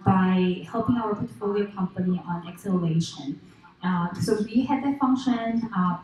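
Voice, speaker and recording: A woman's voice: medium pitch, a little mellow, slight background noise. Panelist, woman 30s, Korean native speaker, hesitant delivery, echoey conference hall. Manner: hesitant, many fillers, laughs lightly. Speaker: panelist, fund partner.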